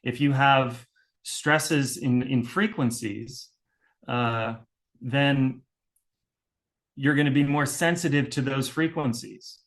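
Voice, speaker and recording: A man who is a guest expert on voice science, explaining in a measured way and thinking aloud as he goes. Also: mid-range voice, steady tone, a bit bright. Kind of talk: explanatory conversation.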